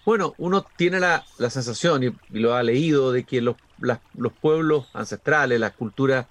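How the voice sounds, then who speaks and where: A man with a mid-range voice hosts a conversation. He asks long, reflective questions and muses aloud as he goes. His delivery is slow and thoughtful. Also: mid-range voice. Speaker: interview host. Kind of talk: reflective radio interview.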